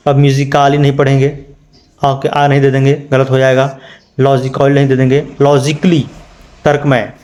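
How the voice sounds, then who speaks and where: A man's voice: mid-range voice, monotone, a little fast, a little mellow. A man teaching an English pronunciation lesson, spelling words out letter by letter and asking his students questions. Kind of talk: spoken lesson.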